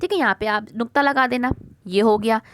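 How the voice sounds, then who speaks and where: A woman teaching a worksheet lesson to young pupils. She asks a question, answers it herself, repeats the words slowly and calls the children "beta". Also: on the high side, fairly bright tone, slight background noise. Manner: mixes English words like question, first into her talk.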